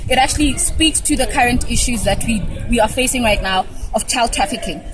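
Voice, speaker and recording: A woman's voice: on the high side, a little fast, music in the background. A young woman student from Pretoria speaking out earnestly about social problems, often repeating words as she builds her point. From Pretoria, South Africa. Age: young adult. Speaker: university student. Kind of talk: impassioned vox pop answer. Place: outdoors on a campus. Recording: noisy outdoor recording.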